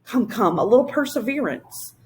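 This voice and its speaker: A woman voicing an excitable, fussy old male Whangdoodle king who lisps and gushes. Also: fairly high pitch, moderate pace, close to an everyday voice. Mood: excited. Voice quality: lisping. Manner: gushing, chattering, anxious.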